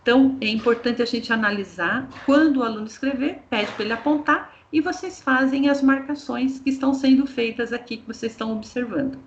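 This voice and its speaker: A Brazilian woman, a teacher trainer, walks a group through an online training session with patient, step-by-step explanations. Her voice sits a little on the high side. The sound is muffled and lo-fi, like audio from a video call. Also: a little fast, hardly any pauses, slight background noise.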